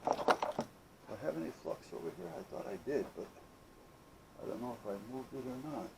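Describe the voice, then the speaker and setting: A man's voice: mid-range voice, expressive, moderate pace, vocal fry, heavy background noise. A man chatting casually through a hands-on workshop project, rambling and muttering to himself with playful asides. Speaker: hobbyist maker hosting own workshop videos.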